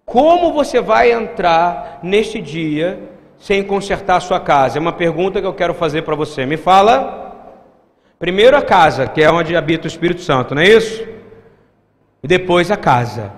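A man's voice: high voice, big pitch swings, moderate pace, in a large hall. A man preaching a sermon as pastor, emphatic and constantly questioning the congregation. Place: church hall.

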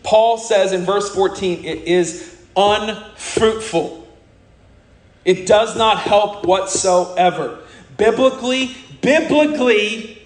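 A man from America preaching with fiery, scornful conviction. His voice sits high, and he drags out his punchlines for weight. The sound rings around an echoey room. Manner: fiery, blunt, scornful preaching with sudden slowdowns for emphasis. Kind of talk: sermon.

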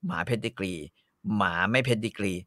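A man co-hosting a casual podcast, ranting bluntly and profanely in an animated way. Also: moderate pace, no room sound. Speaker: co-host.

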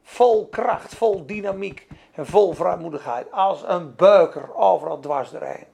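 A man's voice: high-pitched, a little slow, creaky, darkish tone, breathy edge. A man teaching a Bible lesson, preaching emphatically and repeating key words for effect.

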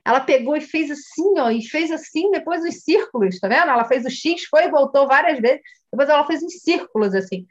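A Brazilian woman with a high voice teaches as a family coach, retelling a session with animated storytelling. She acts out the dialogue and speaks straight to her listeners. The recording sounds dull and muffled. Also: a little fast.

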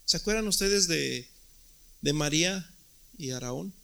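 A man's voice: a little high, lively intonation, a little slow, vocal fry, fairly bright tone. A man preaching a sermon as pastor, emphatic and often repeating words.

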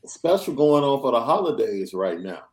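A young adult man hosting a casual sports podcast, reading through news in an energetic, chatty way. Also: medium pitch, normal speed. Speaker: podcast host.

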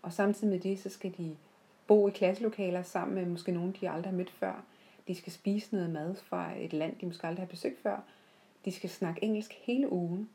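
A woman with a soft-edged, mellow voice, pitched a little low. She shares personal reflections without a script, in a heartfelt manner, pausing mid-sentence as she finds her way. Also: fairly even intonation. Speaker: podcast host. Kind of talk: unscripted reflective personal storytelling.

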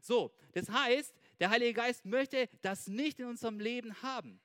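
A man giving an informal, animated sermon, talking straight to his listeners and checking in with them constantly. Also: very high-pitched, normal speed. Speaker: preacher.

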